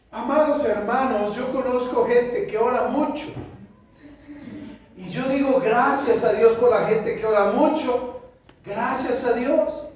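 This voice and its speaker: A Mexican pastor preaches with a very high voice and animated delivery, slipping into other voices to act out conversations. He is picked up from a distance in a strongly echoing church hall, with faint noise in the background. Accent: Mexican Spanish. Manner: animated preaching, acts out dialogues with shifting voices. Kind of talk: sermon. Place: church sanctuary.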